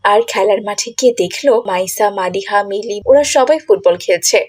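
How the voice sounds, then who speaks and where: A woman's voice: mid-range voice, brisk, breathy edge. A woman giving scripted narration for a cartoon story.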